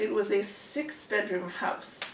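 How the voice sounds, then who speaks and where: A woman's fairly high, animated, dramatic voice with lively intonation, audible room echo, and light background noise. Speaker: YouTube channel host and parent. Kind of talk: ghost story telling, spooky tale told to the camera. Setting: home video recording. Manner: storyteller's suspense, animated and conversational with dramatic pauses. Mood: spooky, dramatic storytelling. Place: home room.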